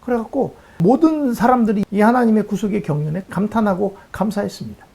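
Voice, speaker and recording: A male pastor delivers a Bible lesson sermon in a gravelly, husky voice with a dark, mellow tone. His pitch swings widely as he preaches. He acts out the lines he quotes. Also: fairly quick.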